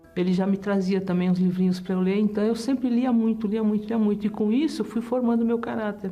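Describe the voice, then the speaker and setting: The woman talks fairly quickly with ordinary pitch variation, noticeable noise sounding in the background. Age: 70s. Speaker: church member giving testimony. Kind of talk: testimony.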